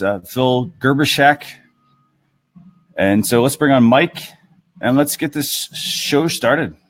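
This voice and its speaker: A man presenting a live talk show as its host in a casual, conversational style. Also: mid-range voice.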